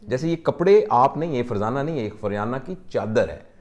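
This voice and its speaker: Calm man explaining with lively pitch. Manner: calm, patient, explains with simple examples. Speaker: doctor counseling a patient. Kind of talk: patient counseling talk.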